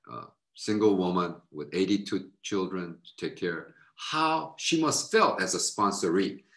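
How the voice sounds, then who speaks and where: A middle-aged man with a low voice gives a recorded lecture beside his slides, speaking bluntly and repeating himself as he thinks aloud. His tone swings widely, leaping high when he quotes other people. The sound comes from a laptop mic in an echoey room. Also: fairly bright tone. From United States. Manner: frank, repeats words, jumps to high pitch for quoted voices. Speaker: missionary lecturer.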